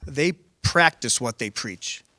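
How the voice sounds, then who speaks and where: A man gives acceptance remarks at a village meeting in a loud, emphatic voice, restarting phrases now and then. The sound is dry and close, with little room echo. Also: medium pitch, animated, slow. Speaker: award recipient from a health system. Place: council chamber.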